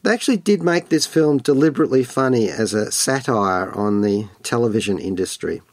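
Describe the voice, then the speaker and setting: A man presents scripted film and music commentary as a radio host. His voice sits at an average pitch and is recorded very dry. His delivery is wordy and playful, full of colloquial flourishes. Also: lively intonation, a little fast, dry recording.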